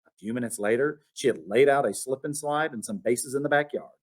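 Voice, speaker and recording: A man reading a children's storybook aloud as its author, expressive and with dramatic emphasis. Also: mid-range voice, fairly quick. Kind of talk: animated storybook read-aloud.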